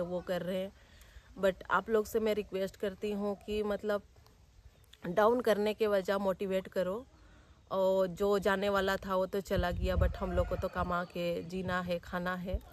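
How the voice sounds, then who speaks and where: A young woman vlogger talking quietly and sadly, standing outdoors near family graves. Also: mid-range voice. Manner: subdued, grieving, speaks slowly and softly. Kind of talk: personal vlog talk.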